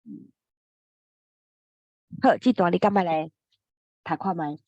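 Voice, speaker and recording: A woman slowly reading a text aloud and explaining its words, often repeating a word as she goes. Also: on the low side, warm tone, no room sound, muffled recording.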